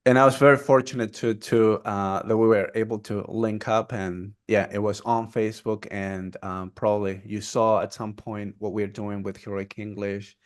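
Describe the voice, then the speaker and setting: Upbeat male podcast host, lowish voice. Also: normal speed, few pauses. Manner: energetic, encouraging.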